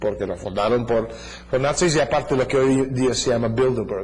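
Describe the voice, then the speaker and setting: Over noticeable background noise, a man with a Russian accent talks at medium pitch and a moderate pace. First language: Russian (speaking Spanish). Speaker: political author and analyst. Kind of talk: TV interview. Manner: halting, many filler sounds.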